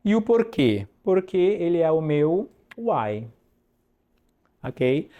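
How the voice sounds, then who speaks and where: A man teaching an online English lesson, drilling pronunciation slowly and checking in with "ok?" often. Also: fairly high pitch, big pitch swings, narrow, tinny audio.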